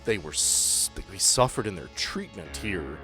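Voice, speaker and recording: A man narrating as game master of a tabletop horror game, describing scenes with deliberate, tension-building pauses. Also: low voice, very animated, sharp tone, soft background music.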